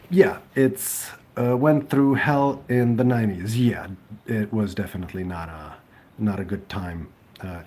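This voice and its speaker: Serbian guy rambling on a live stream, lots of ums, low mellow voice. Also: a little hiss or hum. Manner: hesitant, many ums and restarts. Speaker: livestream host. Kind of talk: casual live chat reading comments.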